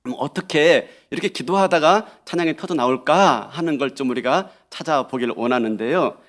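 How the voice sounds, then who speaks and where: High-pitched male pastor in a church sermon, repeats key lines and checks in with the congregation. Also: brisk, a bit bright. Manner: asks the congregation rhetorical questions; repeats key phrases for emphasis.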